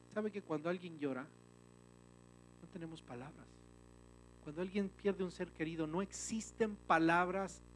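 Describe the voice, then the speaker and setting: A man's voice: a little high, a little hiss or hum, rough recording. Emphatic male pastor preaching. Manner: emphatic, with swings from loud to hushed; often addresses listeners as "hermano". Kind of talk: sermon.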